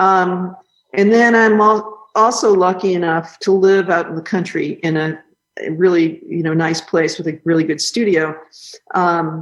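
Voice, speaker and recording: A woman with an American accent and an ordinary speaking voice, medium pitch, fairly even intonation and a fairly slow pace. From Massachusetts. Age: 60s. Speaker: mosaic artist. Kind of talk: radio interview.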